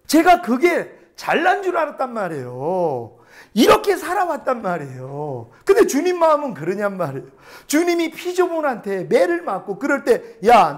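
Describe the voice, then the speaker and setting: A male pastor delivers his sermon in a strikingly high voice. His pitch leaps and falls freely as he tells stories and asks rhetorical questions. He swings between loud, emphatic lines and hushed asides. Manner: storytelling with frequent rhetorical questions.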